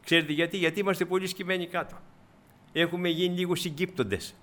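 A man preaching a sermon to a congregation, expressive and rising to emphatic peaks. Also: high voice.

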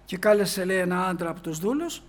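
A man preaching in a storytelling way, reading old scripture verses slowly and then explaining them in everyday speech, with many "he says" asides. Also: high-pitched, animated. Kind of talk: sermon retelling a Bible story.

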